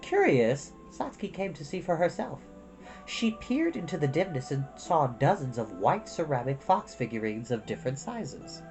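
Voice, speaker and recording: A woman reading a children's novel aloud as an expressive storyteller. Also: sits low, moderate pace, soft background music, rough recording. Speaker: storytime reader. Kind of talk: expressive scripted storybook narration.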